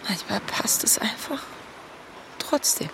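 A woman playing a grieving, wry woman in her thirties in a radio play, speaking plainly and haltingly. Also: whispered, lightly acted, low-quality recording. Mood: grieving, subdued. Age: 30s. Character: grieving, wry 32-year-old woman adrift at sea. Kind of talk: naturalistic radio play dialogue. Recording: clear watery background noise, boat-like ambience. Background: lapping water and sea ambience.

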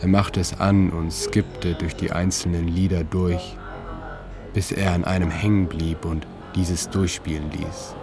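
A man reading his own literary narration in a calm, measured way, with slow deliberate pauses. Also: sits low. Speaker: narrator and author. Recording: narration over music.

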